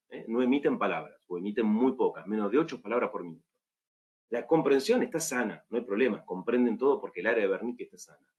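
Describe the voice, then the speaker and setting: A man's voice: on the low side, darkish tone. A man with an Argentine Spanish accent giving a recorded online lecture to medical students, often checking in with tag questions.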